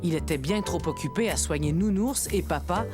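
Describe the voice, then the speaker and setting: Woman narrator, storybook reading, lively pitch, lowish voice, music under. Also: normal speed. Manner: warm, expressive storytelling.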